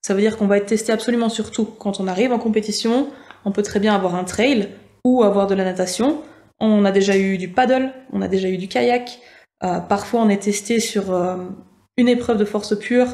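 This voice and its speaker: A woman's dark, mellow voice at a medium pitch, with fairly even intonation and a moderate pace. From Belgium, province of Luxembourg. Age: 30s. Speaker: CrossFit athlete. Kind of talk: interview. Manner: hesitant, many fillers.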